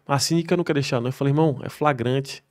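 A man, a military police soldier, telling slangy, animated stories on a podcast. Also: medium pitch, very fast. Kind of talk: podcast storytelling.

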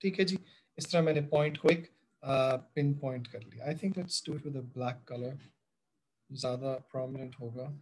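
A man's voice: mid-range voice, rapid-fire, darkish tone, low-quality recording. A man with a South Asian accent giving an instructive tutorial as a teacher, speaking directly to pupils and switching between languages. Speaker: biology teacher. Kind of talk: tutorial explanation, switching between English and Hindi-Urdu. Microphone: screen-recorded voice-over.

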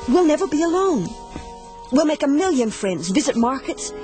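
An actress playing a frightened female fugitive from the future, soft, anxious and earnest. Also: sits high, sing-song, moderate pace, music in the background. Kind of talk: 1980s radio drama acting.

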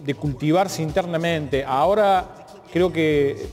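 A man with a Cordobese Argentine accent, interviewing conversationally in a halting, thoughtful way, repeating words as he builds his questions. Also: on the high side, a little mellow. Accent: Cordobese Argentine Spanish. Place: large art gallery, indoors. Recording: long hall reverb, music underneath.

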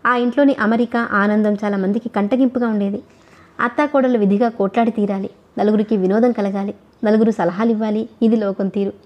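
A woman narrating a novel as an audiobook reader, in a steady, even storytelling manner. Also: mid-range voice, fairly quick, highs cut off.

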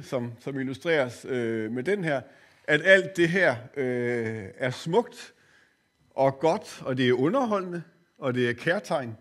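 An older man gives a spiritual lecture at a course center. His voice sits a little higher than most men's. He speaks reflectively and pauses often, filling the gaps with hesitant sounds.

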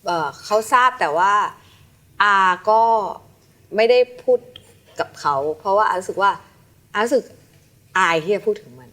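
A woman's voice: medium pitch, moderate pace, pauses often. A woman guest on a talk show, telling her story and acting out the voices of people in it. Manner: animated, acts out quoted voices. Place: television studio.

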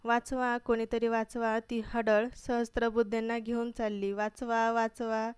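A woman reading as a jumpy young wife, fearful and pleading, smooth clear voice. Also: a little high, flat delivery, a little slow, no room sound, natural voice. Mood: terrified. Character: timid, easily frightened young wife.

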